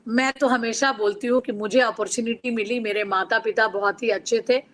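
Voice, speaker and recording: A woman's voice: a little high, steady tone, normal speed. Earnest middle-aged woman author from Bihar. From Bihar, India. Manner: earnest, reflective, personal anecdotes. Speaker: guest author. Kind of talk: interview answers.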